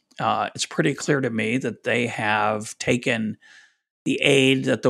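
On a very clean recording with a silent background, a man with an American accent and vocal fry speaks at medium pitch and a moderate pace, with ordinary pitch variation. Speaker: economist and college president. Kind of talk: interview conversation. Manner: hesitant, frequent fillers and self-corrections.

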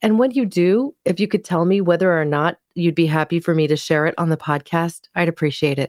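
A woman with a plain, everyday voice talks at a fairly quick pace, hardly pausing, with ordinary pitch variation and very even loudness. The recording is very clean, with a silent background and a dry, close sound with no echo. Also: fairly low pitch for a woman. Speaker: podcast host. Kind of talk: interview.

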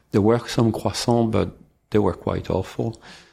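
A man with a French accent is heard on a very clean recording with a silent background. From France, Normandy. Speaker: pastry chef and bakery founder. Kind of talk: interview.

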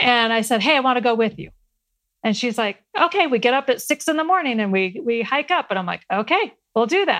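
Against a quiet background, a woman with an American accent speaks at fairly high pitch in an animated tone. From California. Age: 50s. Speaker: program member sharing her fitness journey. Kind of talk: interview testimony.

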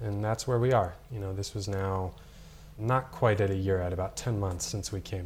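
A man speaks fairly quickly with a Midwestern American accent. His voice is fairly low and somewhat breathy. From US Midwest, northern Michigan (Traverse City). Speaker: think tank director, religious convert. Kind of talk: interview, personal story.

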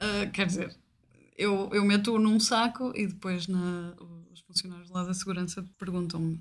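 A woman speaks at a medium pitch and a moderate pace. Her voice is somewhat breathy, with fairly even intonation. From Portugal, Chaves (Trás-os-Montes). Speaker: ceramic artist. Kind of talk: casual interview. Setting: pottery studio. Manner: hesitant.

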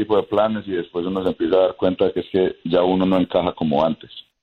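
Very deep and low in pitch, a man speaks at a very fast pace. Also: hardly any pauses. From Latin America, immigrated to US. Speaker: war veteran. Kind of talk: interview. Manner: halting.

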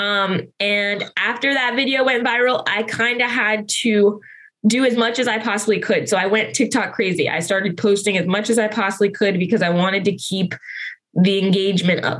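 Here is a woman with an unremarkable speaking voice, medium in pitch. She talks at a moderate pace with ordinary pitch variation. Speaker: real estate agent. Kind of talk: casual chat.

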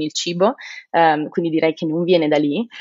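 This woman talks at a very fast pace with a fairly low pitch. Her intonation stays fairly even. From northern Italy, Bergamo. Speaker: ethnobotany researcher. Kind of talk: interview.

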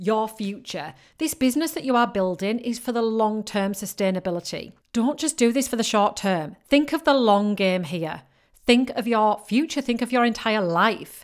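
A woman's fairly high voice with lively intonation at a moderate pace. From northern England. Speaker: business coach and podcast host. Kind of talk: solo podcast monologue.

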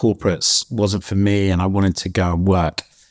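With a southern English accent, a man speaks in a fairly low pitch, the sound dry and close with no echo. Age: 30s. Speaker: sales executive. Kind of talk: interview.

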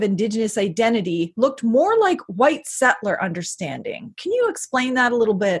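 A woman is speaking. Her pitch sits high. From Mi'kma'ki, Atlantic Canada. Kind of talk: interview.

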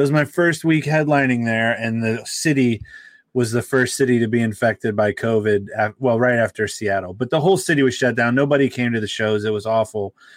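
A man with an American accent and an ordinary speaking voice, medium pitch and ordinary pitch variation, at a fairly quick pace, in a dry, close sound with no echo against a quiet background. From US Midwest, Cincinnati, Ohio. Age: 40s. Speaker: comedian. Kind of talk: casual chat.

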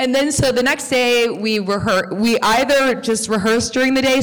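A woman speaks with a Chicago accent against noticeable background noise. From US Midwest, Chicago. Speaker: actor. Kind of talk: casual chat. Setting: stage with audience.

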